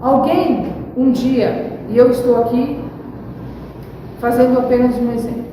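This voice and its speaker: A woman's voice: a little high, steady tone, unhurried, mellow, slight background noise. A woman pastor preaching a sermon, building emphasis and acting out everyday examples. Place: church hall. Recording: echoey church hall from far off.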